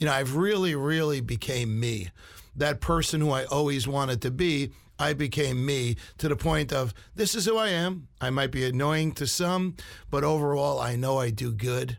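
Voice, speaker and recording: A man with a New Jersey accent speaks at a moderate pace and fairly high pitch, with ordinary pitch variation and very even loudness, on a very clean recording with a silent background. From New Jersey, Hudson County. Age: 50s. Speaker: entertainer and business owner. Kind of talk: interview.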